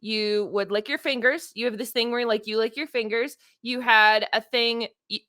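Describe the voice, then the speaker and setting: A woman's voice: on the high side, steady tone, moderate pace, sharp tone, no echo, studio quality. A young woman co-hosting a podcast, teasing and blunt in casual chat. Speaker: podcast co-host.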